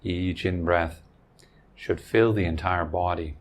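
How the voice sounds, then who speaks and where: A man leading a guided meditation as a teacher, speaking gently in short phrases with long pauses. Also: deep voice, fairly even intonation, slight background noise.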